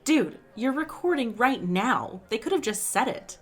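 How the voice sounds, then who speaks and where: A woman's voice: on the high side, animated, measured pace. A woman playing a teasing, pushy, upbeat best friend in a fiction podcast, talking casually and playfully.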